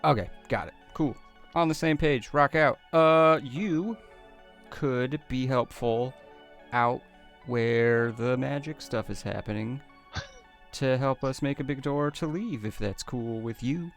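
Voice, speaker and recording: A man's voice: medium pitch, slow. A man playing a tabletop roleplaying game in casual, loose, slangy talk, with music behind him. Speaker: player on an actual-play podcast. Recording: background music under the voice.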